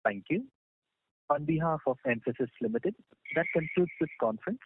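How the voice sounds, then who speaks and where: A man's voice: fairly high pitch, animated, moderate pace, breathy edge, no room sound. A man moderating a conference call as the operator, formal and polite in a scripted style over a telephone line. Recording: dry narrowband phone line.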